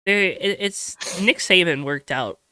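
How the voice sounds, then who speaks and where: A young man hosting a casual podcast, with a high-pitched voice, chatty and rambling with fillers. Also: takes it slowly, a crowd in the background. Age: young adult. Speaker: podcast host.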